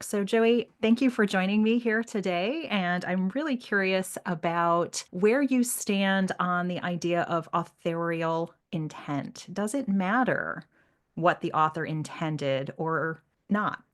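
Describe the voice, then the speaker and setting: Lower-voiced woman hosting a literary podcast. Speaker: podcast host.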